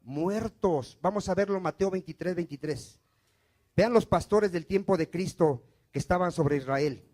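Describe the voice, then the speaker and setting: High-voiced man preaching with call-and-response. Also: normal speed. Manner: call-and-response preaching, asks questions and answers them himself; swings from loud emphatic lines to dropped, quiet endings. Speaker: pastor. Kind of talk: sermon. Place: church.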